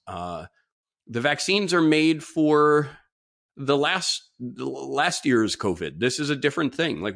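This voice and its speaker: A man with a mid-pitched voice and a mildly stuffed-up nose speaks alone as a podcast host. He is informal and opinionated, stressing his points with repeated words as he delivers his monologue. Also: a bit bright. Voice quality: slightly congested, stuffy nose. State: mild nasal congestion from a cold-like illness.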